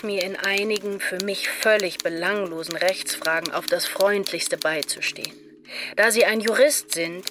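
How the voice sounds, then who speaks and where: A woman's voice: on the low side, background noise, natural voice. An actress playing a desperate, isolated woman writer voicing her letters in a radio play, formal yet anxious. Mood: formal, strained. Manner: formal wording, inwardly anxious. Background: music.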